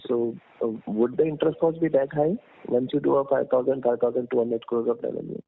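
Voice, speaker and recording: A man's voice: mid-range voice, steady tone, a little fast, creaky. A man with an Indian accent asking questions as an analyst on an earnings call. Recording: narrow tinny phone line.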